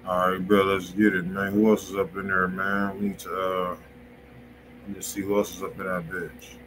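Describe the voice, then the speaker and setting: A man's voice: low-pitched, level tone, moderate pace. A man hosting a music review livestream with casual, slangy, profane chat. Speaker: music review show host. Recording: clearly noisy room ambience.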